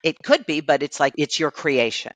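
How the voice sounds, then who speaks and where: A woman's voice: deep voice, big pitch swings, moderate pace, dry recording. A woman life coach, a podcast guest, explaining ideas patiently with many everyday examples.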